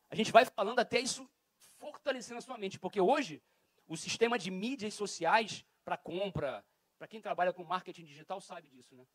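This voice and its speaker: A man's voice: high voice, dry recording. A Brazilian man preaching a sermon in church, emphatic, asking rhetorical questions. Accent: Brazilian Portuguese. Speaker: pastor.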